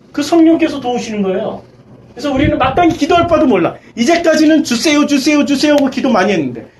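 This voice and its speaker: A man with a high-pitched voice leads a church Bible study as its pastor. He teaches emphatically, asking his listeners question after question and mixing casual and polite speech. A faint background noise runs under the recording. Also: low-quality recording. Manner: emphatic, swings between loud and quiet.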